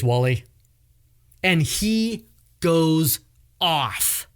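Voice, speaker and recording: A man's voice: on the high side, a bit bright. A man hosting a podcast, narrating a scripted story in a dramatic, emphatic way. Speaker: podcast host and coach.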